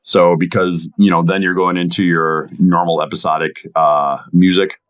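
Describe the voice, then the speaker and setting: A man speaking as a guest voice actor in a casual interview and commentary, with halting, measured phrasing. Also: deep voice, little pitch movement, fairly bright tone.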